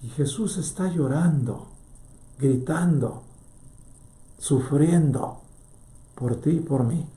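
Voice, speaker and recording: A man preaching a sermon as a priest, fervent and swinging from loud to hushed. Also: fairly high pitch, slow pace, long pauses, roomy sound.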